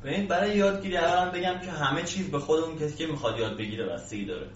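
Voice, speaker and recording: Guy with explaining stuff casually in an interview, muffled, roomy echo. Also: a little high. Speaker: programming instructor, interview guest. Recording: echoey distant mic, muffled, faint hiss.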